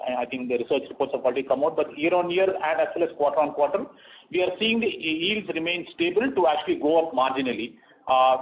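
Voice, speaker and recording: A man presents quarterly financial results over a conference call. He speaks in a measured way, with frequent "uh" fillers and restarts. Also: on the high side. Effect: heard over a conference call line. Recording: tinny phone-line conference call audio.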